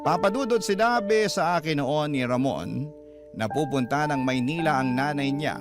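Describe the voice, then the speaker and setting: A man's voice: on the high side, animated, moderate pace, natural voice. A man playing a gay salon worker who recounts a life story in scripted radio drama narration. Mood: anxious, confiding. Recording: music bed under the voice.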